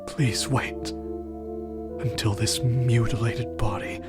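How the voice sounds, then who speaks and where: Man acting a slow, anguished dead soul. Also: mid-range voice, steady tone. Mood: fervent resolve. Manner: grave, breathy, archaic and dramatic delivery. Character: anguished dead man, solemn, weary, vowing to return. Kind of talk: audio drama monologue. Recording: loud music under the voice.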